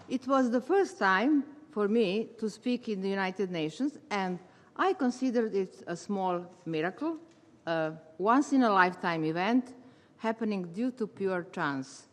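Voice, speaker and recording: A woman, a retired English teacher giving a measured, formal prepared speech as a volunteer. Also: mid-range voice, expressive. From Serbia. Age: 70s. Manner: measured, formal delivery with careful phrasing. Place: large meeting hall. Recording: long hall reverb.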